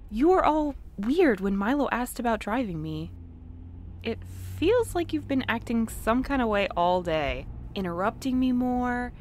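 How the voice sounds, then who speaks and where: A woman's voice: a little high, very animated, a little slow, a little mellow, slight background noise. A woman playing a prim, well-meaning courier in an audio drama, speaking in an earnest, careful, businesslike manner. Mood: probing. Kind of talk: naturalistic audio drama acting.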